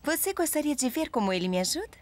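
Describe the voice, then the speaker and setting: A woman with a Brazilian accent playing a gentle, patient grown woman explaining things to a child in a cartoon dub. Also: high voice, very animated, fast. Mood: kind, patient. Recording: music behind the voice.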